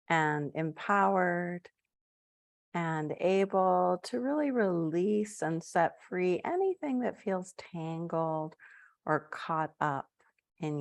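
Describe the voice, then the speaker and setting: A woman leading a live-streamed guided meditation, talking softly and gently with drawn-out phrases. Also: mid-range voice, no echo. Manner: soft, slow guiding with drawn-out phrases and fillers.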